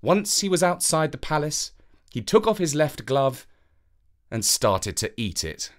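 A woman narrating a children's fairytale as an expressive storyteller. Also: sits low, a little slow.

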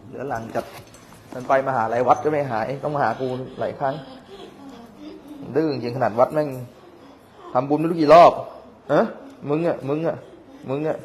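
A man's voice: medium pitch, normal speed, long pauses. A man working as an exorcist, scolding and teasing a spirit in a coarse, profane way, pressing it with repeated questions. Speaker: exorcist master at a shrine.

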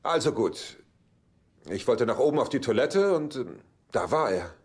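Sitcom dub: male actor as a lecherous, wisecracking evasive guy, very lively intonation, clear background noise. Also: mid-range voice, moderate pace, close to an everyday voice. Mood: evasive, glib. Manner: glib, joking. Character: flippant, lecherous, evasive male murder witness. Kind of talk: German-dubbed sitcom acting.

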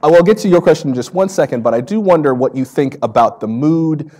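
A middle-aged man moderating an onstage conversation in a lecture hall, laying out long questions in a measured way. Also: fairly high pitch, expressive, darkish tone. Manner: measured, lays out questions at length. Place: stage in a lecture hall with a seated audience.

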